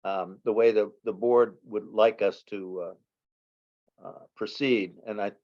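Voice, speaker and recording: A man's voice: on the low side, steady tone. Guy on a board zoom call, muffled sound, keeps saying uh and repeating himself. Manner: halting, many uhs and repeated words. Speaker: board member. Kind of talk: online board meeting discussion. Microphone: video call.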